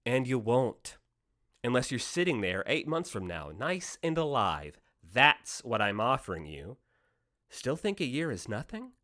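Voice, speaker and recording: A man's voice: medium pitch, big pitch swings, unhurried, pushed and bright. An actor playing the Devil in a radio play as a slick, teasing, cynical deal-maker with theatrical salesman patter. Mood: sly, persuasive. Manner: wheedling salesman patter, mock-casual, theatrical swoops.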